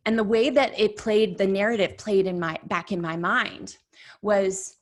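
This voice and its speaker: A woman's voice: mid-range voice, steady tone, unhurried. A woman leading a workshop in a chatty, conversational storytelling manner, often saying "like" and correcting herself mid-sentence. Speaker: workshop leader.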